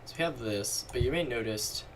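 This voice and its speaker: A man's voice: medium pitch, a little fast, background noise. A man losing his voice a little, casually talking through a coding walkthrough, thinking aloud and correcting himself as he types. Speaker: programming tutorial host. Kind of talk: screen-recorded coding walkthrough. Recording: distant mic with loud keyboard clatter. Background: keyboard typing and mouse clicks.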